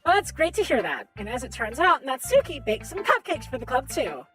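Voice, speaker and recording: Brief: woman doing a high, quick, voice-changer-shifted confident schoolgirl president, upbeat group address. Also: big pitch swings, a bit bright, soft background music. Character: confident teenage girl club president. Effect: voice changer raising the pitch. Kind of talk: reading a visual novel aloud.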